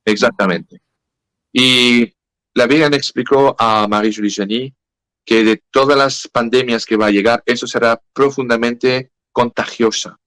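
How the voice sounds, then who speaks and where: A man with a French accent speaking Spanish as a second language in a podcast interview, halting and searching for words. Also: mid-range voice, fairly even intonation, fairly bright tone, no room sound, rough recording. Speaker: guest.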